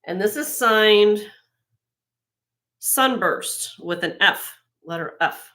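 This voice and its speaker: A woman with a slightly raspy voice hosting a live jewelry sale, chatting casually and admiringly as she shows each piece, with frequent fillers and restarts. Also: medium pitch, takes it slowly, fairly bright tone. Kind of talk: casual show-and-tell product presentation.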